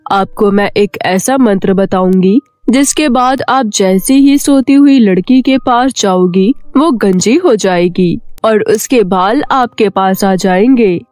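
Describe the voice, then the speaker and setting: A woman voicing a secretive sorceress who gives measured, ominous instructions in a cartoon story. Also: medium pitch, darkish tone, no room sound, natural voice. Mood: conspiratorial. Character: secretive, cautioning sorceress living in a cave. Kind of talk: cartoon moral-story character voice.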